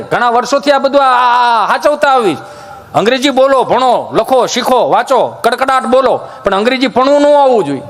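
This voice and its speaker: A man with a Kathiawadi Gujarati accent, telling folk stand-up jokes in an animated, jokey way, with preachy asides. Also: extremely high pitch. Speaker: folk comedian.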